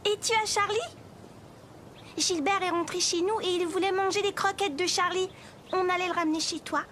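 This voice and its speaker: A woman's voice: extremely high pitch, fairly even intonation, normal speed, a bit bright, slight background noise. A woman voicing a confident, friendly six-year-old girl who explains things helpfully in a French preschool cartoon.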